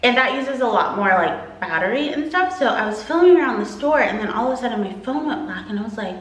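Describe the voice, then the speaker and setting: Bright-voiced woman vlogging, roomy sound. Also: on the high side, expressive, fast. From Texas, USA. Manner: rambling, lots of "like" and "um". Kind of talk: casual chat to camera.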